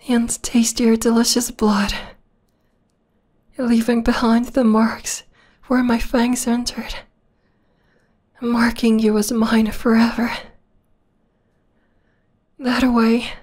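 Woman doing a yandere vampire girl for asmr, soft n breathy, kinda high, super slow, clingy and menacing. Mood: possessive, entranced. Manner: soft, breathy, intimate, lingering delivery with whispers. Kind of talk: ASMR roleplay.

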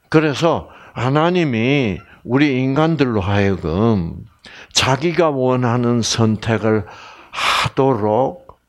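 A middle-aged man from Korea gives a slow, unhurried health lecture, his pitch swinging widely up and down. He asks the audience questions and answers them himself, with plenty of fillers. At key points he sinks to a near whisper. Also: husky. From South Korea. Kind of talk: health lecture with sermon-like passages.

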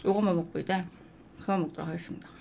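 With a fairly low, dark voice and vocal fry, a young adult woman races through casual eating-show chat in a fairly even intonation, telling stories frankly between bites. There's a little hiss or hum, plus faint music behind her.

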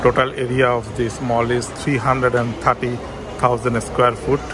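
A man giving a walking tour of a shopping mall, pointing out shops in plain, halting sentences with fillers. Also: medium pitch, flat delivery, music in the background. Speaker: travel vlogger. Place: busy shopping mall, indoors. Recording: loud crowd and mall noise behind.

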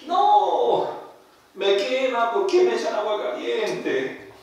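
A man's voice: flat delivery, normal speed, gravelly, a bit bright. A priest voicing a frantic, pleading possessed young girl, recorded far from the mic in an echoey room. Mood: panicked. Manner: high-pitched, crying out.

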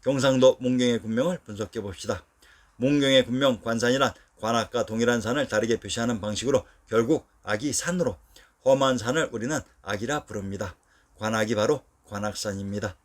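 A man reading a scripted historical narration, listing place names in a steady, measured voice. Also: mid-range voice.

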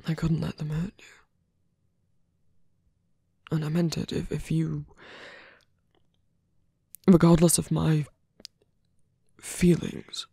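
A man acts out a villain in love for an intimate ASMR roleplay. His voice is very breathy and gravelly, recorded dry and close. He speaks slowly and hesitantly, often near a whisper, flirtatious yet sincere and protective. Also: on the high side, level tone, mellow, no echo, exaggerated voice. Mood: earnest, pained. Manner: halting, hesitant confession with small sighs. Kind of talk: ASMR roleplay, intimate one-sided dialogue.

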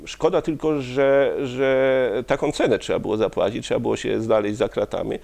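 A man in his fifties, a guest in a studio interview, talking haltingly with many pauses and restarts, speaking into a lapel mic. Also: mid-range voice, steady tone, vocal fry, a little mellow. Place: small studio with curtain backdrop.

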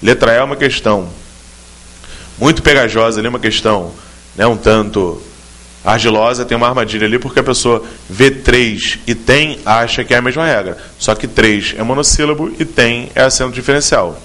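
Speaking a little fast in a medium-pitched, somewhat bright voice, a man with a Brazilian Portuguese accent teaches a grammar question for exam prep. His explanations are clear and methodical, aimed directly at the student.

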